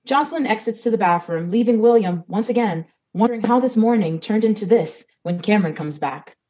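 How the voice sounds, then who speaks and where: A woman's voice: medium pitch, expressive, fairly quick, dark tone, rough recording. A woman reading the stage directions of a comedy script, matter-of-fact.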